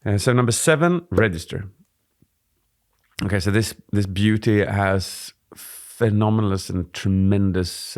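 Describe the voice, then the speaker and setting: A deep-voiced man with a gravelly edge talks through a presentation tip for a podcast. He explains things steadily and unhurriedly, stretching some words. He speaks into a studio microphone in a dim room. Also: a little mellow. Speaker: podcast co-host, presentation coach. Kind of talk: casual podcast chat. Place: dim studio with warm lamps. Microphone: studio mic on boom arm.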